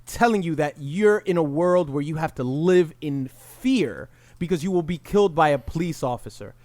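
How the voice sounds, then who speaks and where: A man hosting a podcast, arguing his point in casual, animated debate with a co-host and cutting in often. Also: on the high side, moderate pace, no echo. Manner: animated, argumentative, interrupts.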